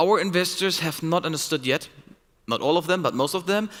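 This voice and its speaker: With a German accent, a man talks at a fairly quick pace in a bright, sharp tone. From Germany. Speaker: venture capital investor. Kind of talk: conference Q&A answer. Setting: conference stage with audience.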